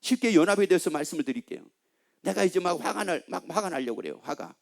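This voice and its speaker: A man's voice: high voice, lively intonation, quick pace, vocal fry. A male pastor preaching a sermon in a church, emphatic and constantly asking the congregation questions.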